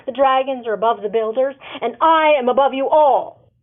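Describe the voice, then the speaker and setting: A proud young storybook heroine, read by a woman, speaks in a fairly high voice with haughty insistence. The sound is thin and narrow like a phone line. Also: moderate pace, close to an everyday voice.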